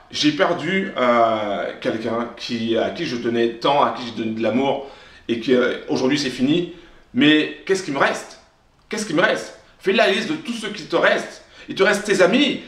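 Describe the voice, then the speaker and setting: A man's voice: on the high side, fairly bright tone. Emphatic French-speaking man, echoey room. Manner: emphatic, repetitive, frequent restarts. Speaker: self-help vlogger. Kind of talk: direct-to-camera motivational talk.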